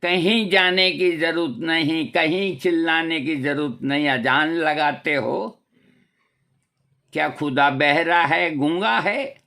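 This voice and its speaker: An older man who vlogs about homeopathy speaks to the camera in a preachy, scolding moral talk full of rhetorical questions. His voice is fairly high, bright, and forceful, and he speaks slowly.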